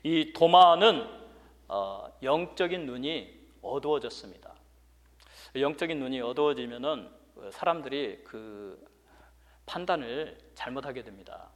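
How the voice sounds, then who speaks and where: A man's voice: medium pitch, animated, unhurried. A man preaching a sermon to his congregation, emphatic and leading them in reading scripture aloud. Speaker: pastor. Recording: long hall reverb.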